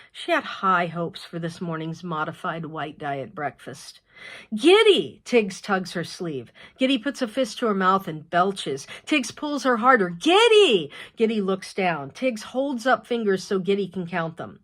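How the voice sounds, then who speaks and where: A woman author reading a chapter of her novel aloud in an expressive, measured storytelling voice. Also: mid-range voice.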